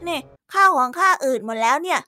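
A woman voicing a grumpy young male cartoon character who talks in a gruff, rustic way and exclaims often. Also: high-pitched, lively intonation, quick pace. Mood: pleading. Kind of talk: children's cartoon voice acting. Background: music.

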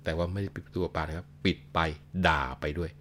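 A man telling a classic tale in an animated, conversational way. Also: deep voice, fast. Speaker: storyteller. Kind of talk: casual storytelling of a classic tale.

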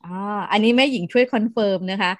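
A woman hosts an interview and asks gentle, encouraging questions. Her voice is mid-pitched. The sound is dry and close. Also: quick pace, dry recording. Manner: warm, encouraging questions to a child. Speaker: host. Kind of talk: interview host.

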